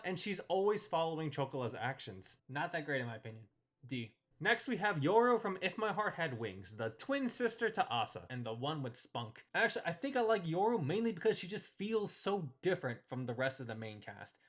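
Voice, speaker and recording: Hosting a video that ranks visual novel characters, a man with a fairly high, somewhat bright voice gives scripted, opinionated commentary full of emphatic phrasing.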